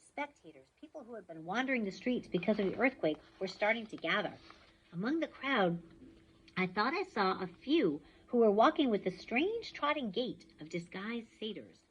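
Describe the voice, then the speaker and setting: A woman reading a novel aloud with expressive storytelling. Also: medium pitch, moderate pace, lo-fi sound, a little hiss or hum. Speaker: reader.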